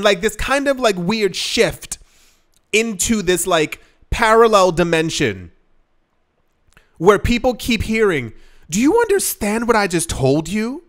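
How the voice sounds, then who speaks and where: High-voiced man rambling earnestly to camera. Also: a bit bright. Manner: rambling, many "like" fillers and restarts; earnest, emphatic, shifts pace often. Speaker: crypto investing vlogger. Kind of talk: casual talk to camera.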